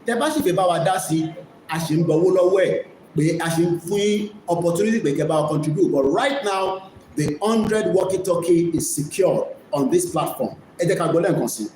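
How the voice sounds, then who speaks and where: A man with a Nigerian Yoruba accent hosts a live online media broadcast, mixing two languages in his commentary. He talks a little fast in a high, slightly mellow voice, speaking emphatically and repeating key phrases. The room is echoey, with faint noise.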